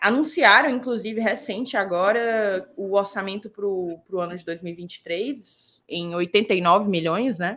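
With a Minas Gerais accent, a woman speaks at a medium pitch and a very slow pace, with ordinary pitch variation. She hardly pauses at all, and her loudness swings widely. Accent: Minas Gerais Brazilian. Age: 20s. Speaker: football fan channel co-host. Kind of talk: live stream football chat.

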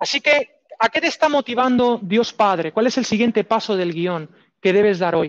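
A man speaks in a high pitch. His intonation is lively. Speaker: preacher. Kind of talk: sermon. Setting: summer cinema, live audience. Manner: warm, exhortative, conversational; animated, humorous asides to audience.

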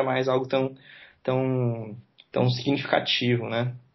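Medium-pitched male speech, flat and monotone. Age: 20s. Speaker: entrepreneur, co-founder of a community for entrepreneurs. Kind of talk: interview.

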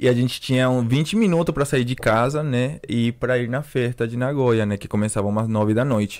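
The man's voice has a medium pitch and moves at a fairly quick pace. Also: ordinary pitch variation. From Paraguay. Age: young. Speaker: makeup artist. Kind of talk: interview.

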